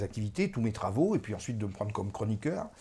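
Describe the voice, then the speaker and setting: A man speaks at a very fast pace in a fairly low pitch with a dark, mellow tone. The recording is very clean, with a silent background. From Corsica. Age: 40s. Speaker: author and business consultant. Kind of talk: interview.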